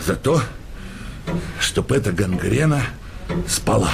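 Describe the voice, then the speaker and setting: An actor playing a rough, hard-drinking working-class husband in a radio comedy, blunt and slangy. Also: male voice, fairly low pitch, animated, takes it slowly, heavy background noise, heavily acted. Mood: conspiratorial. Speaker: actor in a comedy audio play.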